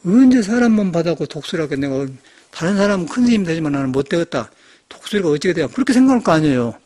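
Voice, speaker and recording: An older Buddhist monk gives a sermon in a temple hall. His voice sits high and swings widely. He tells stories with animated energy. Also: quick pace. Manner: animated storytelling, acting out shouted quotes. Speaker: Buddhist monk giving a dharma talk.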